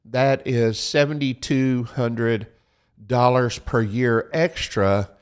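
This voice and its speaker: A man's voice: mid-range voice, takes it slowly, clear, resonant tone. A man hosting a Christian show, giving practical advice in a folksy, repetitive, preaching style and urging listeners to write things down.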